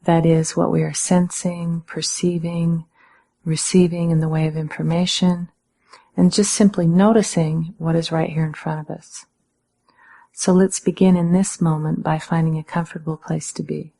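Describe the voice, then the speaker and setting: Speaking in a low-pitched, breathy voice with a slight huskiness, a woman leads a guided meditation. She is calm and measured, leaving gentle pauses between instructions.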